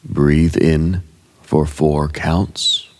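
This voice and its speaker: A man narrating a guided meditation in an ASMR style, solemn and hushed, in short, deliberate phrases with a gravelly, breathy voice. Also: a bass voice, little pitch movement. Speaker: host and narrator of a meditative radio show.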